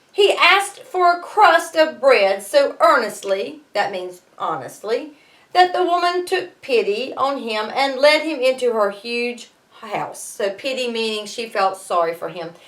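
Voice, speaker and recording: Animated high-voiced woman teacher reading aloud. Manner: expressive, explanatory. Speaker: schoolteacher reading to students. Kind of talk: storybook read-aloud with explanatory asides.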